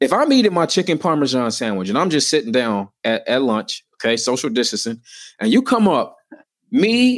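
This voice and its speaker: An American-accented man with very wide pitch swings on a very clean recording with a silent background. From United States. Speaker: author and relationship coach. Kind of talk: casual interview conversation.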